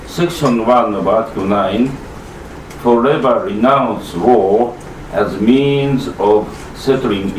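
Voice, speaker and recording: A native Japanese speaker reading prepared remarks in English at a press conference, slow and halting. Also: male voice, fairly low pitch. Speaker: constitutional law professor at press conference. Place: press club conference room. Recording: roomy, distant mic, faint noise.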